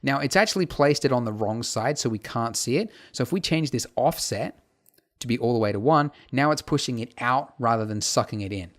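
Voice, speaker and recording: Man, casual screen-recorded tutorial, rambling chatty delivery, lots of fillers, mid-pitched. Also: lively intonation, brisk. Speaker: tutorial instructor.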